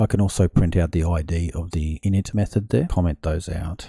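The voice is somewhat breathy, with a dark, mellow tone, a dry sound with no echo, and a quiet background. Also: man. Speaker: programming instructor. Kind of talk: tutorial.

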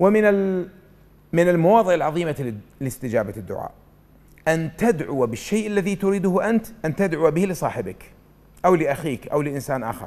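The speaker has an Iraqi accent, lively intonation, and a moderate pace. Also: man. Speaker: Islamic scholar answering viewer questions; TV presenter. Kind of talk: religious Q&A program. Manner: halting, with fillers and restarts. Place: studio. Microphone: lapel.

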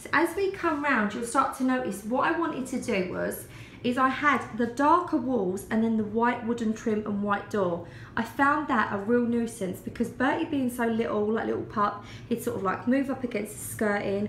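A woman talks at a moderate pace, with audible room echo and light background noise. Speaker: home decor vlogger. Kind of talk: casual vlog chat. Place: kitchen. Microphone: phone near.

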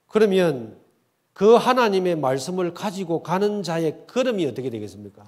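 A man, high in pitch, with very wide pitch swings at a moderate pace, over a quiet background. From Gyeongsang Province, South Korea. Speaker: pastor. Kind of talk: sermon. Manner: speeding up. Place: church. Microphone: handheld.

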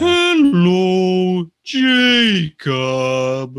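This put-on character voice sits at a middle pitch but makes very wide pitch swings. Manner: drawn-out whale voice.

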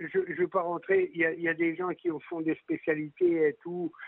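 Fairly slow, monotone, flat speech from a man. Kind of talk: casual chat. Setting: phone call.

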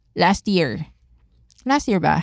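A woman's voice with very wide pitch swings, dry with no echo, over a quiet background. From Philippines. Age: 40s. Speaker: career coach. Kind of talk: casual chat. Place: studio. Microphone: studio mic.

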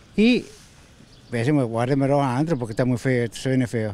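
Over light background noise, a man speaks with a dark, mellow tone at a medium pitch. His pitch variation is ordinary and the sound is dry with no echo. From Argentina, Córdoba province. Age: 60s. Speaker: local resident. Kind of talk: street interview. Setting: outdoors. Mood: animated, recounting storm damage. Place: open country. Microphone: handheld.

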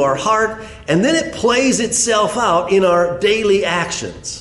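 Recorded with audible room echo, a man speaks at a fairly slow pace. His intonation is lively. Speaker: pastor. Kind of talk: sermon. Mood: warm, encouraging. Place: church. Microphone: phone near.

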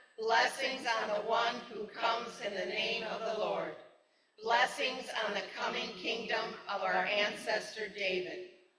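A woman talks at a fairly slow pace. Loud background noise is present. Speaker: scripture reader or pastor. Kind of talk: scripture reading. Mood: solemn, measured. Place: hall.

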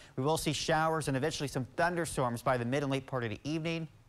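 A man speaks at a fairly quick pace. His intonation is fairly even. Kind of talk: weather forecast presentation. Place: studio. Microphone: lapel.

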